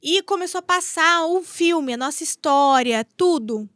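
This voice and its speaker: Recorded dry and at studio quality, this high, animated, somewhat bright voice belongs to a woman in her thirties from São Paulo state, Brazil, with a Brazilian Portuguese accent. She takes her time as a podcast guest recounting a personal story with feeling. Along the way she repeats phrases and performs other people's lines.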